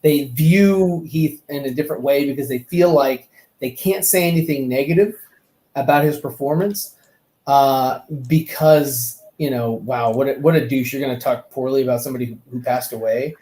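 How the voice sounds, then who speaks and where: A man's voice: medium pitch, moderate pace, mellow. A man chatting casually and giving opinions on films, rambling and often repeating his words. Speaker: panelist on a fan talk show. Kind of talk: casual opinionated film chat. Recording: echoey room.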